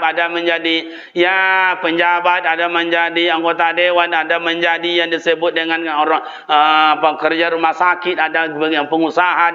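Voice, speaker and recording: An older man preaching in a Minangkabau accent, his voice bright, forceful and somewhat high. He tells stories in an animated way, jumping up in pitch as he turns to address the congregation. The mosque recording sounds dull and lo-fi. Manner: lively storytelling with sudden high jumps in pitch, often addressing listeners as "Pak". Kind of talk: sermon.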